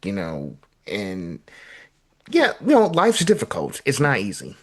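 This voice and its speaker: A man's voice: fairly low pitch, wildly swooping pitch, measured pace, breathy edge. A man in his twenties hosting a casual interview, talking in a rambling, encouraging way full of fillers. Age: 20s. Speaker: podcast host and independent journalist.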